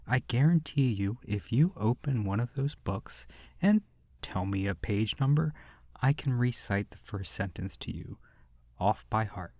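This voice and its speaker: A man's voice: medium pitch, a little mellow, no echo, clean studio sound. A man voicing a sadistic, bored immortal vampire in a horror roleplay audio, languid and condescending, with theatrical delivery that slips into whispers.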